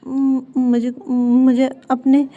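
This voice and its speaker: A woman's voice: high voice, monotone, extremely slow, mellow. A woman voicing an anxious young man who stammers and pleads, in a dull lo-fi recording. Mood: pleading.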